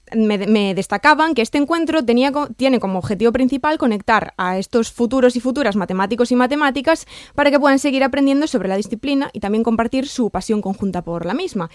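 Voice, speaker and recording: A woman's voice: on the high side, no room sound, studio quality. A woman reporter reading a scripted news piece in a polished way.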